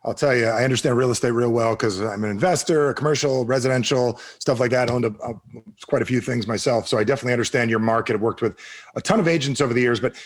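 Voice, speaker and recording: A man's voice: medium pitch, fast. A man from New Jersey talking casually and emphatically as an interview guest and coach. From New Jersey, United States.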